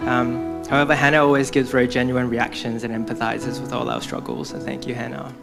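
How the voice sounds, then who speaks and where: A young man from Hong Kong speaks with a creaky, mid-pitched voice over background music. He delivers a prepared testimony to his church in an earnest, read-from-notes way. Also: flat delivery, a little fast. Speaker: church member giving a testimony.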